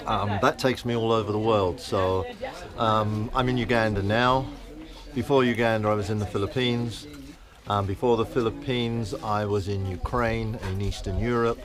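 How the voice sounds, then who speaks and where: A man with a London accent, an actor answering interview questions in a measured way with soft fillers. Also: fairly low pitch. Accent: London English. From England. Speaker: guest actor and presenter. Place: film set in Uganda. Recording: crowd chatter behind.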